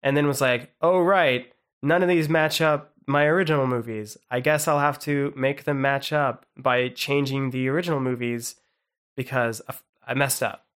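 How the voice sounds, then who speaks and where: A man co-hosting a podcast, chatting casually in a rambling, halting way with lots of "like". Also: mid-range voice, steady tone, fairly bright tone. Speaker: podcast co-host. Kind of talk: casual chat.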